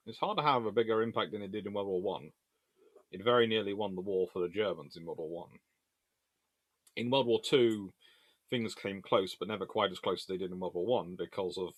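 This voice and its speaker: A man's voice: sits low, a little fast, no room sound. A man hosting a casual question-and-answer session, rambling and hesitant as he thinks aloud. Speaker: host answering viewer questions.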